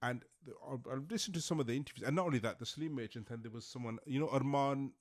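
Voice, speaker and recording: A man's voice: medium pitch, fast talker, crowd noise. A man hosting a podcast, chatting casually and hesitantly with many fillers and restarts. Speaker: podcast host. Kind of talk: casual interview chat.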